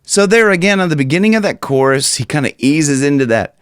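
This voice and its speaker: An Ohio-born vocal coach in his forties talks brisk and animated at a fairly high pitch during a loose, chatty singing lesson, sometimes singing lines to show how it's done. His upper singing range is raspy. The studio-quality recording has no room sound, made on a stand mic with headphones on in a small room with a dark curtain behind.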